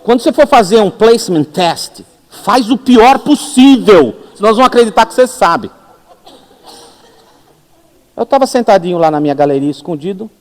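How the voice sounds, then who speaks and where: A Brazilian-accented pastor preaches at a church service in a high-pitched voice. He is an animated, self-mocking storyteller who acts out the dialogue in his anecdotes. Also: in a large hall. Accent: Brazilian Portuguese. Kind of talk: sermon with humorous anecdotes.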